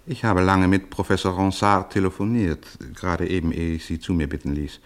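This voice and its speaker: An actor playing a formal, evasive senior hospital professor in a radio play, polite and hesitant in manner. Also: male voice, low voice, steady tone, a little fast, close to an everyday voice. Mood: awkward, evasive. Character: courteous, evasive French hospital professor, senior male boss.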